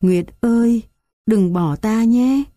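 A woman's voice: fairly high pitch, slow, mellow, dry recording, studio quality, voice pushed up. A woman voicing a frail, grieving old village woman who talks in a dazed, pleading way.

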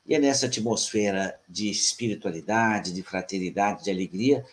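A man from Brazil hosting a talk program on a remote call, greeting his guests formally and reading a prepared text slowly. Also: fairly low pitch. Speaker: host. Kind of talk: radio talk show hosting.

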